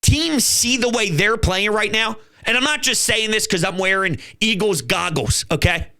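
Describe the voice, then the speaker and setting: A man's voice: sits high, lively intonation, normal speed, sharp tone. A man hosting his own fan channel, talking football in an emphatic, fired-up way and swearing now and then. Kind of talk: fan commentary vlog.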